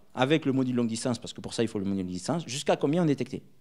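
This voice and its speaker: Speaking in a southern French accent, a man uses an animated tone and lively intonation. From southern France. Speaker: industrial equipment sales manager, conference speaker. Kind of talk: conference presentation with Q&A. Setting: conference room with audience. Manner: animated, hesitant with many false starts.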